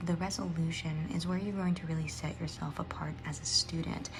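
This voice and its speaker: Over noticeable background noise, whispered words come at a moderate pace. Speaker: law student. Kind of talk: ASMR study-with-me talk.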